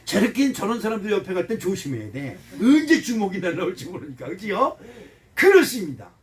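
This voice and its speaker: Lively older pastor preaching from afar. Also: male voice, high-pitched, a little fast. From Korea. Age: 70s. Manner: folksy and animated, asks the congregation questions. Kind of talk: sermon. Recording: voice heard from some distance.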